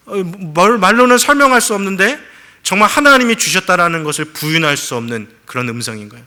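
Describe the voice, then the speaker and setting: Middle-aged male pastor, very bright, slightly raised pitch, storytelling sermon that builds to fervent pleas. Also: fast talker. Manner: storytelling with acted-out quotes, rising to fervent pleas.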